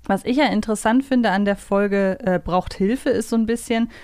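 A woman's voice: medium pitch, moderate pace, darkish tone, no echo. A woman hosting a podcast, chatting casually. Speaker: podcast host. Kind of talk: casual chat.

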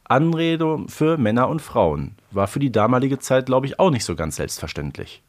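A man co-hosting a podcast, discussing an audio drama episode in a lively, enthusiastic way. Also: mid-range voice, normal speed. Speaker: podcast co-host. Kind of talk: casual chat about an audio drama episode.

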